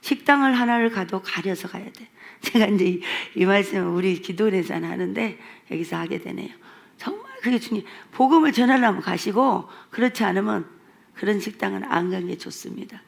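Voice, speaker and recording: A woman pastor with a Jeolla accent preaches in a church sanctuary, pressing her points in an emphatic, repetitive, scolding way. Her voice has a gravelly, creaky edge and sits at an ordinary mid pitch. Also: expressive, a little fast. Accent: Jeolla Korean. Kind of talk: revival sermon.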